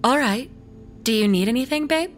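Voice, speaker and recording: A woman playing a gentle worried wife. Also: a little high, lively intonation, moderate pace, faint music behind, close to an everyday voice. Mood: concerned. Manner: gentle, soothing, concerned. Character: caring young wife named Mary.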